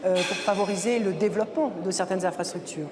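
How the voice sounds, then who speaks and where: A woman's voice: medium pitch, fast. A woman hosting a broadcast interview, asking probing questions with some hesitation. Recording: long reverb, crowd behind.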